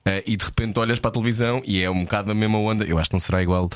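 A Portuguese man with a European Portuguese accent hosting a radio interview, lively and opinionated as he asks probing questions. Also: on the low side, very fast, clean tone. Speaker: radio host. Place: radio studio.

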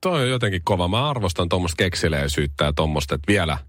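Low voiced guy cracking wry jokes back, lively pitch. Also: no echo, studio quality. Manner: teasing, wry reactions. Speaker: podcast co-host. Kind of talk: casual chat.

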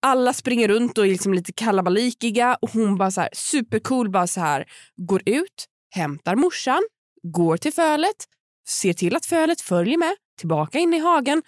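A slightly tipsy woman co-hosting a casual podcast chat, animated and quick to agree. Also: fairly high pitch, dry recording, studio quality. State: a little tipsy. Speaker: podcast co-host. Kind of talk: casual chat about a reality show.

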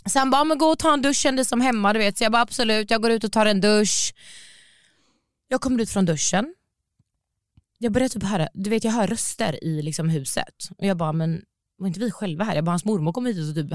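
A young adult woman telling a story in casual chat, animated and slangy, laughing as she goes. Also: medium pitch, dry recording, clean studio sound.

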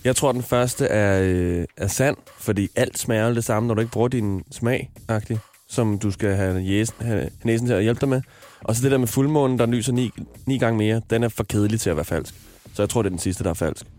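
A man's voice: fairly low pitch, a little mellow. A man co-hosting a radio show, joking with the others as he reasons his way through a quiz. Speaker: radio co-host. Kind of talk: casual radio chat.

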